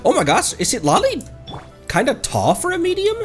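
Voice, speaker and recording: A man's voice: very high voice, wildly swooping pitch, normal speed. A man live-streaming casual game commentary in a giggly, gushing way. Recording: game music faintly behind. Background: video game music.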